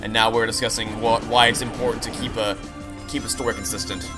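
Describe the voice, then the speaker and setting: A man's voice: fairly low pitch, little pitch movement, fast. A man streaming a game, chatting with viewers and explaining his opinions in an analytical way while he plays. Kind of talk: live playthrough commentary and chat. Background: video game music and sounds.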